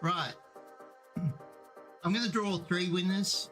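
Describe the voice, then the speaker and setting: A man's voice: sits high, slow, sharp tone, faint music behind. A man with an Australian accent hosting a stream watch party, chatting casually and drawing giveaway winners. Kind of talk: casual chat. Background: tournament broadcast playing.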